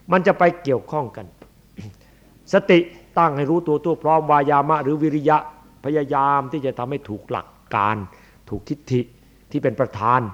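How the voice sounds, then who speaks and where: A man, a Buddhist monk, giving a dharma sermon in a blunt, emphatic, demonstrative way. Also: medium pitch. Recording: dull lo-fi archive recording.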